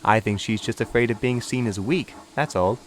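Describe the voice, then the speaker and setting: Gentle old engine, calm and reassuring, slightly lower and quiet, from a male narrator. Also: moderate pace, natural voice.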